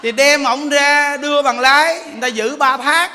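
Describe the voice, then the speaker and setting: A man with a Southern Vietnamese accent, a Buddhist monk telling funny stories in a dharma talk, loud exclaims one moment and low asides the next. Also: normal speed. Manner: joking storyteller, swings between loud exclaims and low asides. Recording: echoey hall with faint background noise.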